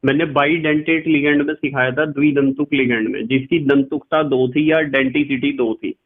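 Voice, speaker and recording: A man's voice: medium pitch, fairly even intonation, moderate pace. A man teaching a chemistry class. He talks patiently, repeats key terms and spells words out letter by letter. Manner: addresses students as "beta". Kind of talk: classroom lecture to students. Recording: tinny, phone-like recording.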